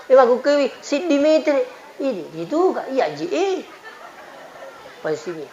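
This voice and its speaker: Very animated but unhurried, a forties-aged man with a Bugis accent and a very high, slightly mellow voice jokes and repeats phrases to listeners during a bilingual, folksy Muslim sermon. The recording comes through a dull, echoey PA, with crowd murmur and light noise behind it.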